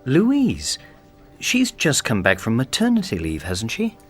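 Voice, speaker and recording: Man in a lively scripted office dialogue. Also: mid-range voice, measured pace, faint music behind. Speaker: dialogue actor in course audio. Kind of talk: scripted role-play dialogue.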